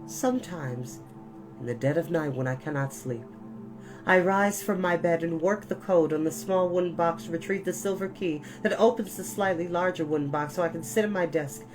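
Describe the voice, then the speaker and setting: A woman reading a children's novel aloud as a storyteller, in a deliberate, dramatic, expressive style. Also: lowish voice, music in the background, low-quality recording.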